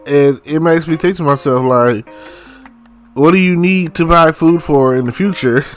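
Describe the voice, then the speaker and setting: A man talking casually on his own in a rambling monologue, laughing often and getting louder and higher when exasperated. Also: normal speed, soft background music. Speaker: podcast host.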